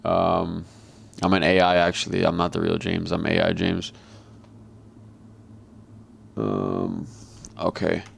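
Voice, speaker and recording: A man with a very deep, heavily gravelly voice talks through the markets live. His delivery is flat and monotone, casual and blunt, and he swears freely. He sounds like he is on a video call. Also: takes it slowly, pauses often, a little hiss or hum. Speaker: trader and market commentator. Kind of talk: live trading commentary.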